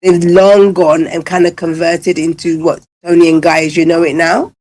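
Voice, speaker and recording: A woman's voice: lowish voice, flat delivery, moderate pace, a little mellow. A woman in her fifties, originally from Ghana, talking as a guest in a casual radio interview and telling her story at length with many fillers. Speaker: guest, salon owner.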